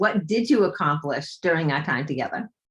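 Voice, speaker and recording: With lively intonation, an ordinary speaking voice keeps a moderate pace. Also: woman. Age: 60s. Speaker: weight loss coach. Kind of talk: interview.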